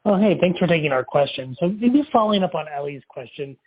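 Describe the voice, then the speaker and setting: A man with a fairly high voice puts questions as an analyst on a conference call. The sound is close and dry, a little dulled by the line. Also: animated, fast talker, slightly rough, no echo. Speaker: financial analyst. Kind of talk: asking questions on an earnings call. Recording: dry, slightly dull call audio.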